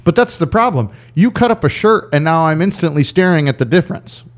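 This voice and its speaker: A man's voice: a little high, animated, brisk. A man co-hosting a podcast in casual chat, jokey but earnest, often stopping and restarting his sentences. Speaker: podcast co-host.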